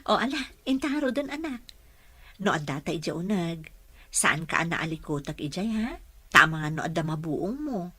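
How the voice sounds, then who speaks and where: A woman playing a patient, dutiful mother and caregiver in an Ilocano radio drama, gentle and apologetic. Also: on the low side, sing-song, moderate pace, breathy edge, no echo, heavily acted.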